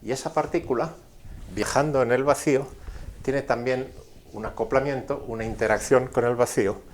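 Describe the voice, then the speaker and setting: A man giving a didactic science explanation as a lecturer, deliberate and step by step, posing rhetorical questions. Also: mid-range voice, steady tone, a little hiss or hum. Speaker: physics lecturer explaining at a board.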